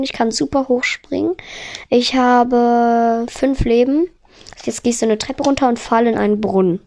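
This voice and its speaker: A woman on a headset mic giving excitable let's play commentary, narrating every move and swearing when she fails. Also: a little high. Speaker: gamer.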